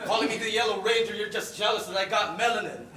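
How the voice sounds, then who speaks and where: A man from the Philippines performing battle rap, hurling rhymed insults and sometimes shouting them. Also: high voice, steady tone, fast talker. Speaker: battle rapper. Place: live battle venue. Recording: echoey room, noisy live audio.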